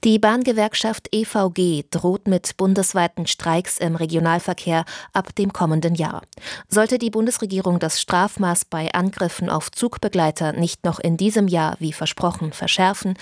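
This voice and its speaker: A woman reading the radio news in a measured, even way in a studio. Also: lowish voice, dry recording. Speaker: newsreader. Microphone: studio microphone.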